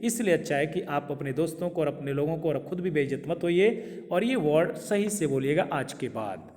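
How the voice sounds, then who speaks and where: A man with a fairly high voice gives an English pronunciation lesson, saying each word slowly and asking his viewers to repeat it. His voice carries a long echo, as if recorded in a large hall. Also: animated, darkish tone. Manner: repeats words slowly, asks viewers questions. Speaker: English teacher.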